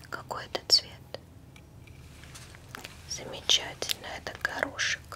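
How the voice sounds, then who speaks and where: Over noticeable background noise, a soft-spoken woman whispers in a gentle tone at a very slow pace. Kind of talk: ASMR role-play. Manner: soft ASMR whisper, gentle roleplay. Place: home room.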